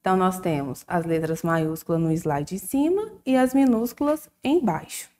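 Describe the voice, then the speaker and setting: A woman teacher with a Brazilian accent giving a recorded lesson to young children, slow and sing-song, drawing out syllables. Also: lowish voice, lively intonation, dark tone. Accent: Brazilian Portuguese.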